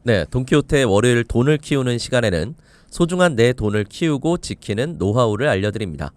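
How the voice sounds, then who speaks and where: A man, a financial expert guest on a radio show, explaining insurance in a clear, scripted way. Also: mid-range voice, sing-song, fairly quick, dry recording. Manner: explanatory, reads scripted points aloud. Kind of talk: radio advice talk. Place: radio studio.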